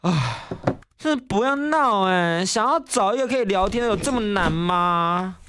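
A man's voice: sits high, expressive, normal speed, noisy background. A man with a Taiwanese Mandarin accent acting an exasperated young gay man fed up with online dating in a comic ad skit.

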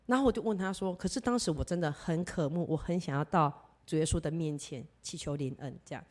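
A church member from Taiwan shares her personal faith testimony, telling it earnestly as a story and acting out the dialogue she quotes. Her voice is low-pitched and a little mellow, and she talks fast.

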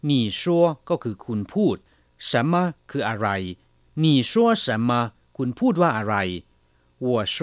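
Male teacher for a lesson program. Slow, deliberate pronunciation with an animated voice and a dry studio sound. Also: fairly high pitch, dry recording. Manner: slow, careful word-by-word pronunciation. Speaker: language teacher. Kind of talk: radio-style language lesson.

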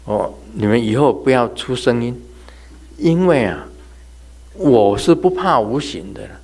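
His voice is medium-pitched, darkish and sing-song, and he takes his time. This male religious teacher gives a sermon as funny ghost stories in a chatty, storytelling style, laughing and imitating sounds.

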